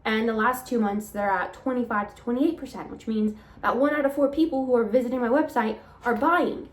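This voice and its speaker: Young woman, small business owner, chatty and rambling, slightly nasal, higher voice, roomy echo. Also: a little fast. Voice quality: chatty, rambling, laughs between phrases. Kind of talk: casual vlog chat. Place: home.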